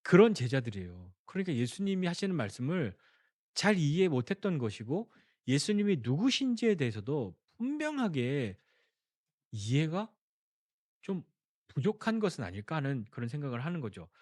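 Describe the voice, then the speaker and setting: A male pastor preaching in a storytelling way, his somewhat high voice rising and falling with lots of life as he puts questions to his listeners. The sound is close and dry. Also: big pitch swings, moderate pace, darkish tone, dry recording. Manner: storytelling, acting out quoted dialogue; asks the congregation questions. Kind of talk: sermon.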